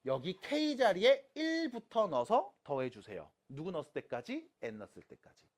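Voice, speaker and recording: A math teacher lecturing high school students in a playful way, asking questions and answering them, with silly sound effects while writing. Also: wildly swooping pitch, moderate pace, a little mellow. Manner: talks students through writing on a board.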